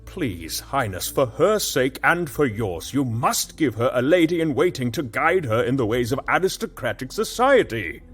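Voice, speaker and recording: A man's voice: mid-range voice, big pitch swings, normal speed, hardly any pauses, husky, faint music behind, voice pushed up. A man narrator voicing a nervous, deferential baron who pleads respectfully with the king. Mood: pleading.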